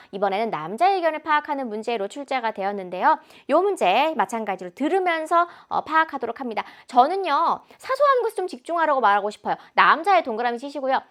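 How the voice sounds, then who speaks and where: A woman English teacher explaining exam answers in a lecture, animated and mixing in English examples. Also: high-pitched. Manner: animated, switches between Korean and English examples.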